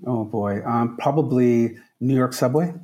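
Earnest man with a mellow voice. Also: mid-range voice, a little slow. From Trinidad. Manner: earnest, emphatic, repeats key phrases. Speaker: guest, travel company founder. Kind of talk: podcast interview answers.

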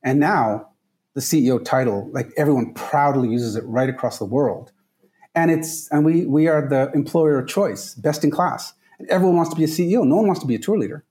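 A man's voice: a little high, fairly quick, mellow. A man from Trinidad, a guest on a podcast, answering questions in an earnest, emphatic way and repeating key phrases. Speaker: guest, travel company founder.

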